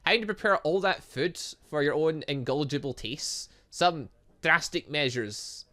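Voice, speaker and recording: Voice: mid-range voice, a little slow, bright, forceful tone. A gaming host voicing a blunt, busy cook who runs a school kitchen in a visual novel. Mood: brusque.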